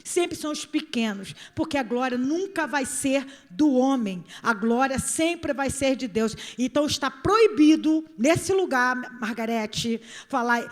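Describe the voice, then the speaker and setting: High-pitched Brazilian woman preaching. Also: expressive, a little slow, hardly any pauses, big-room sound. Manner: emphatic, repeats phrases, puts questions to listeners. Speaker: pastor preaching to a congregation. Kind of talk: informal sermon with acted asides and scripture reading.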